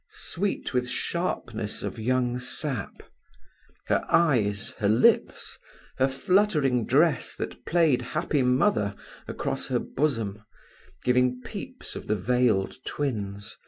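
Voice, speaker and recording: A man reading a literary novel as an audiobook, measured and expressive. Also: medium pitch, gravelly, husky. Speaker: audiobook reader.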